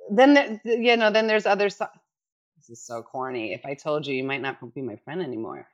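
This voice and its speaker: A middle-aged woman from New York City, an actor, chatting casually as a podcast guest, animated and quick to laugh, often restarting her sentences. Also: low voice, lo-fi sound. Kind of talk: casual chat.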